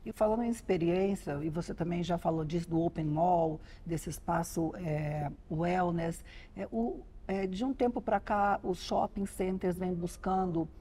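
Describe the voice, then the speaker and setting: Mellow, lowish-voiced Brazilian woman interviewer. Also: a little slow. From Goiás, Brazil. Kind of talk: conversational interviewing. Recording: faint ambient noise behind speech.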